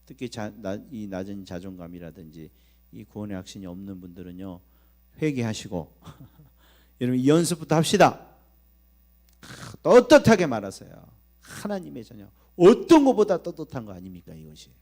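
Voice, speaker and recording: Lively, emphatic male pastor preaching. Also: on the low side, moderate pace. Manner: emphatic, repeatedly asking the congregation for amen; acts out quoted inner voices in first person. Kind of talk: sermon at a Tuesday prayer service. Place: church sanctuary. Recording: mains hum behind the voice.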